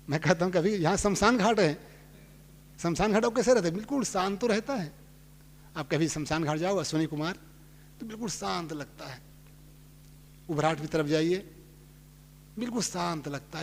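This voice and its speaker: A man preaching a sermon in a relaxed, conversational way, full of homely examples. His voice sits high for a man. It rings with the long reverb of a large hall. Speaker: spiritual teacher. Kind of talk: sermon with sung verses.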